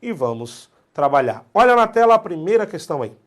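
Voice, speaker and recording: A man with a Brazilian Portuguese accent leads a recorded exam-prep math lesson. His voice sits fairly high and swings widely in pitch. He talks bluntly and with emphasis, drops slang and says key points again and again. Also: very animated, a little fast. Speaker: math teacher.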